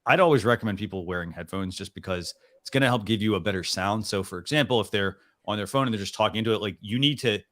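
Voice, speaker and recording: Guy co-hosting a live stream, lowish voice, dry close sound, rambles a lot. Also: fast, few pauses, a bit bright, no room sound. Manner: rambling, full of "like" and restarts. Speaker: co-host of a live stream show. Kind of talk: casual live stream chat.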